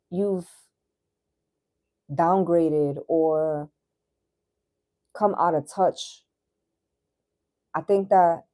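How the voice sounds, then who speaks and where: This is a thirtysomething woman doing tarot readings on a livestream, keeping it chatty and casual with slang and some cursing. She has a warm voice that sits on the lower side.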